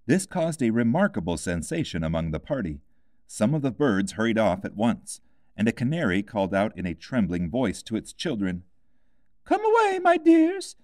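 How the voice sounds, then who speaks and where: Male storybook narrator: lowish pitch, lively intonation, dry close sound. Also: moderate pace, no room sound. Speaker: audiobook reader.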